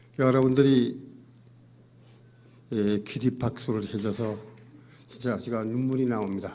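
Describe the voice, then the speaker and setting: Audible room echo is heard around a man's medium-pitched voice. His intonation stays fairly even. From South Korea. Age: old. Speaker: volleyball coach, hall of fame inductee. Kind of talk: acceptance speech. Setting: banquet hall with audience.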